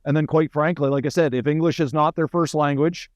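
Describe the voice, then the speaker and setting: A man's voice: on the high side, fairly even intonation, a little fast, dry recording, clean studio sound. A middle-aged man with a Canadian accent talks informally as an interview guest, explaining through anecdotes and wry asides. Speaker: senior military officer, interview guest.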